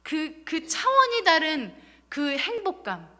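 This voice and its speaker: A woman's voice: sits high, huge pitch swings, slow pace, sharp tone, long reverb tail. A woman in her thirties, a pastor giving a sermon with earnest personal storytelling and emphatic repeated phrases. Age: 30s. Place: church sanctuary.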